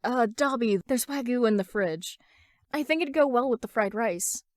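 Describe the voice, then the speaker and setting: A woman's voice: on the high side, lively intonation, normal speed, no room sound, clean studio sound, voice pushed up, lightly acted. Woman as a hesitant teenage boy barista. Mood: helpful. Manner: hesitant, stammering. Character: busy, mild teenage boy barista, curious.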